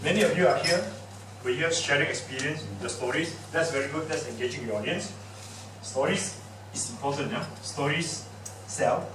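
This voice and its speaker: A man with a Singaporean English accent gives a lively, playful public speaking workshop, quizzing and teasing his audience. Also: on the high side, moderate pace. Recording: echoey room picked up from a distance with background noise.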